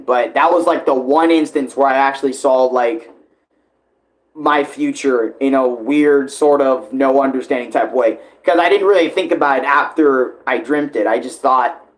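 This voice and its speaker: A man's voice: medium pitch, normal speed, rough recording. A man doing casual live reaction commentary as a streamer, talking in slang with a lot of swearing.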